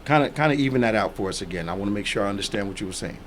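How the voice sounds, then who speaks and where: A man in his sixties hosts a call-in talk program. His voice sits fairly low, and he speaks plainly and steadily, repeating key phrases. There is a faint hiss in the background. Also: animated, rapid-fire. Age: 60s. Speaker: radio talk show host.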